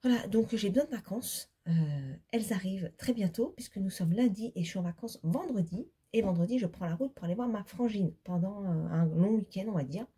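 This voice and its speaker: Tired, husky-voiced woman vlogger. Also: medium pitch, lively intonation, brisk, few pauses, mellow. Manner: rambling, many fillers and self-corrections. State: tired, recovering from laryngitis, still congested. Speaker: knitting vlogger. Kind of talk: casual chat to camera.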